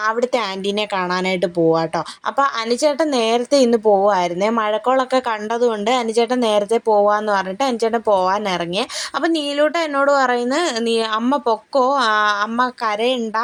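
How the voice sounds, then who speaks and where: A woman's voice: medium pitch, dry recording. A young woman narrating her family day in a casual vlog, rambling and chatty with frequent fillers and tag-questions. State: tired and sluggish after a heavy meal. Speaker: family vlogger.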